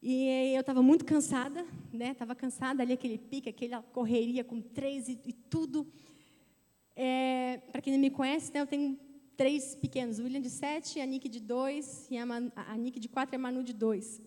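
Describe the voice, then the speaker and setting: A woman in her thirties giving a testimony in a sermon, telling her story in a lively way and speaking directly to the church. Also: high voice, normal speed. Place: church sanctuary. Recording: church hall reverb.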